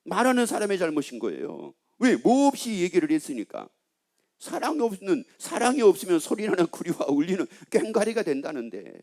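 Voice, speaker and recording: A middle-aged man preaching a sermon in a fairly high voice that leaps up and down. He quizzes the congregation and answers his own questions. He slips into the voice of a scolding father. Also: a little fast. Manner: animated, acts out a scolding father's lines; asks the congregation questions and answers them himself. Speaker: pastor.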